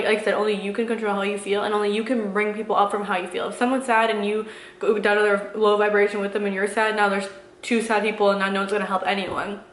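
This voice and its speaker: A young woman speaks at a rapid clip in an echoey room, chatting as a vlogger answering questions. Her delivery rambles and is packed with fillers, yet stays earnest and encouraging. Her pitch sits in a middle range for a woman. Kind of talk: casual chatty Q&A with motivational advice.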